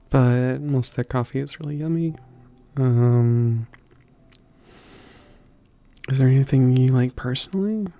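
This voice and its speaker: A man playing a kind, slightly awkward stranger in an ASMR roleplay, speaking gently and hesitantly with soft, casual phrasing. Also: mid-range voice. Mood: warm, attentive. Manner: gentle, hesitant, softly chuckling, halting with thinking pauses.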